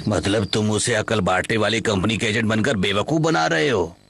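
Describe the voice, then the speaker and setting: Low-voiced grumbling cartoon sidekick. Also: male voice, moderate pace, gravelly, noisy background. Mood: worried. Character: hungry, gullible, grumbling male sidekick of a swindler. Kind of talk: Hindi cartoon dub. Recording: music behind the voice.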